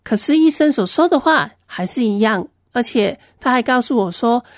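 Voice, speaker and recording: High-voiced woman. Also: animated, moderate pace, dry recording, studio quality. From Hong Kong. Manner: earnest, plain storytelling. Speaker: Christian ministry worker giving a testimony. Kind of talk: personal testimony storytelling.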